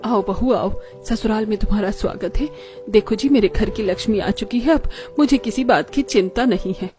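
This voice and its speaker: A woman voicing a kind, caring middle-aged mother-in-law in an animated story, speaking in a calm, motherly tone. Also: medium pitch, normal speed, over music, natural voice.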